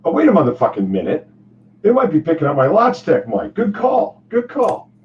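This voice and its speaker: A man's voice: on the high side, huge pitch swings, brisk. A man co-hosting a live stream, swearing often and irritated at his gear, his voice muffled and distant like a cheap headset mic picking him up from across the room. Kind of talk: casual chat. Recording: dull, muffled mic with faint hum.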